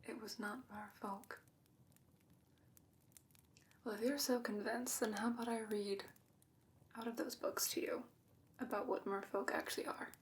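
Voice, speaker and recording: Woman acting as composed old sorceress, breathy near-whisper, gently chiding, deliberate phrasing, fantasy ASMR roleplay, audible background noise and clicks. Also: mid-range voice, close to an everyday voice. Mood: firm, chiding.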